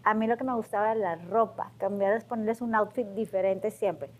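A woman's voice: mid-range voice, a little fast. A Mexican woman in her forties, casually telling her own story to camera and acting out quotes in a raised voice. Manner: lively, acts out quotes in a raised voice.

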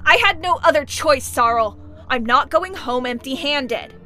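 Bright, high-voiced bitter siren. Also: female voice, expressive, unhurried, soft background music, full character voice. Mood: threatening. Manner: taunting, accusatory. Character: bitter spurned siren ex, menacing and wounded. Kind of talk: audio drama acting.

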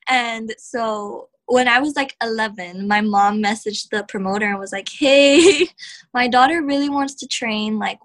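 Young woman from Texas, wrestler guest, chatty and laughing, voice a bit high, lots of "like". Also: a bit bright. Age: young adult. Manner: chatty, heavy use of "like", laughs often. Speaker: professional wrestler, interview guest. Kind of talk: casual interview answers.

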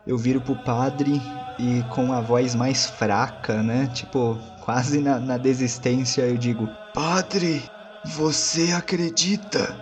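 A man narrates his role-play character in the first person. He is reflective and slow, at a medium pitch, pausing between short phrases over soft music. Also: flat delivery. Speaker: tabletop role-play player.

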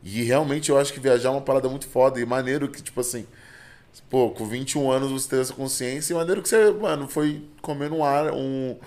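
A man's voice: mid-range voice, steady tone, fast, darkish tone. A Brazilian man hosting a podcast, reacting in casual, slangy chat. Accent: Brazilian Portuguese. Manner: slangy, laid-back interjections. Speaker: podcast host.

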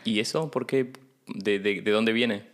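A man's voice: fairly low pitch, steady tone, unhurried, a bit bright. A man with a Rioplatense Spanish accent hosting a podcast in a casual chat, asking easygoing questions. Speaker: podcast host.

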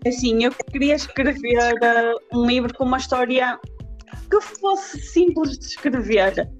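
Portuguese woman author, measured. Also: on the high side, soft background music. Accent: European Portuguese. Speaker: author guest. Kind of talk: podcast interview over internet call.

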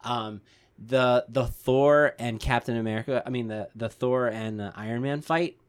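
A man's voice: medium pitch, moderate pace, clear, resonant tone. A man co-hosting a podcast in casual chat, easygoing as he relays what he heard, with plenty of fillers. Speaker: podcast co-host.

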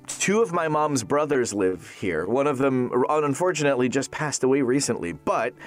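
A man, a Canadian-raised voice actor, chatting casually in an interview with lots of restarts and fillers. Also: fairly high pitch. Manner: rambling, many restarts and fillers. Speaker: voice actor guest.

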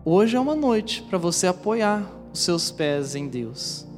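A man's voice: high-pitched, takes it slowly. A man preaches to his congregation, acting out scenes from his own story. His voice rings with a long reverb through a church hall, while music plays faintly underneath. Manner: animated, acts out scenes and voices; talks directly to the congregation. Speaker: pastor. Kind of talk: sermon with storytelling.

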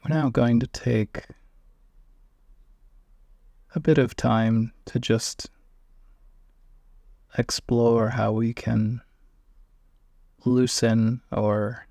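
Male meditation guide: even, unvarying pitch, close dry sound, gentle spaced-out instructions. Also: creaky, dry recording. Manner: gentle instructive phrasing with long pauses.

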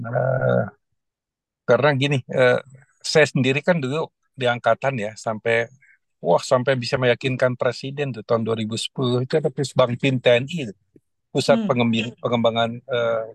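A man's voice: mid-range voice, vocal fry, dry recording. A man, speaking as a guest on a panel, hesitant and full of restarts. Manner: hesitant, many fillers and restarts. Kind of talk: casual panel discussion.

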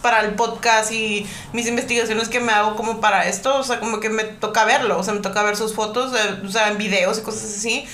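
A woman co-hosting a podcast, explaining things in a measured way with fillers. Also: mid-range voice, fairly even intonation, a bit bright, roomy sound. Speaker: podcast co-host. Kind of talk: casual podcast chat.

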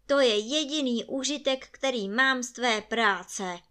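A woman's voice: a little high, bright, forceful tone, pitched above the performer's own voice. A woman voicing a grumpy older woodcutter who scolds his son angrily. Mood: angry. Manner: angry, scolding.

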